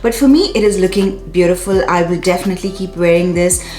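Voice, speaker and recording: A woman's voice: on the low side, fast, a little mellow, roomy sound, faint music behind. A woman in her thirties chatting to camera in a casual beauty review, effusive and often correcting herself. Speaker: beauty vlogger. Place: small bright room indoors.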